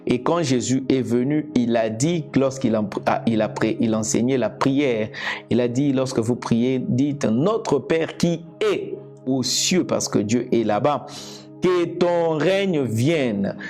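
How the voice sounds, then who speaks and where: A man from Congo whose first language is Lingala, preaching a teaching sermon in a slow, deliberate way, repeating and restarting phrases. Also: medium pitch, a little mellow, faint music behind. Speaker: evangelist preacher. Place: indoors, seated.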